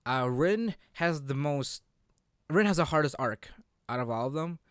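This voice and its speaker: Man, podcast host, clean smooth voice, dry close sound, halting casual talk, restarts phrases. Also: a little high, animated, no room sound. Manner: halting, repeats and rephrases himself. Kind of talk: casual chat about visual novel games.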